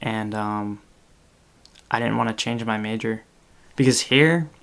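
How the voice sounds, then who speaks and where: This twenty-something man hosts a podcast over a video call in a small room, talking loosely and correcting himself often amid many fillers. He speaks a little slowly in a lowish voice with vocal fry, a bit bright, and a clear, resonant tone.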